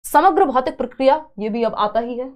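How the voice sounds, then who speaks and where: A young woman teaching a live online exam-prep class, chatty and teasing, slowly spelling out word examples. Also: high voice, expressive, a little mellow. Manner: chatty, teasing students between explanations.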